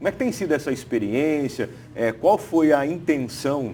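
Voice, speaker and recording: This man has a dark, mellow tone, lively intonation and a moderate pace. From interior of São Paulo state, Brazil. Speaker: TV interviewer. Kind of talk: TV interview.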